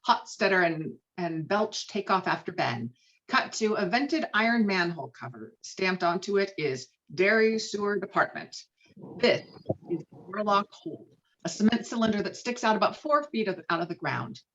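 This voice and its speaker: A woman's voice: mid-range voice, animated, moderate pace, a bit bright, slight background noise. A woman reading stage directions as the narrator of a dramatic script table read. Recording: dull, lo-fi call audio.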